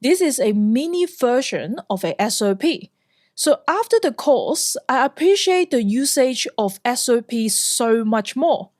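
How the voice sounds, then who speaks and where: A woman's voice: a little high, very animated, measured pace, darkish tone, dry recording, studio quality. A woman from Hong Kong, a flight instructor, narrating a scripted vlog in an earnest, enthusiastic way.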